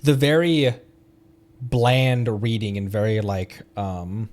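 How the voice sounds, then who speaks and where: A man streaming a game live, reading text aloud haltingly and adding his own commentary. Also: lowish voice, steady tone, darkish tone.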